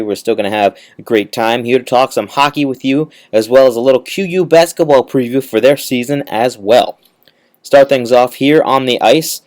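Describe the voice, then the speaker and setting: A man's voice: medium pitch, darkish tone. Young man hosting college sports radio. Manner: announcer-style delivery, addressing listeners directly. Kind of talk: sports radio recap and preview. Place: radio studio, alone.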